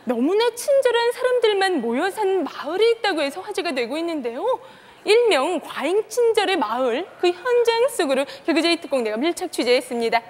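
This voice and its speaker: A woman in her twenties presenting a parody news segment from a studio desk, brisk with jokey asides. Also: very high voice, very animated. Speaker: mock news anchor. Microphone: lapel mic.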